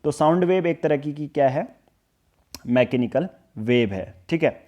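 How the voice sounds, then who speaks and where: A man with a Hindi accent teaches an exam-prep lesson, talking through each point step by step. His voice sits a little high but sounds mellow and relaxed. He slows right down whenever he reads out an English definition. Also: dull audio. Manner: mixes English phrases into explanation, repeats "ठीक है" often. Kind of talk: explaining at a whiteboard.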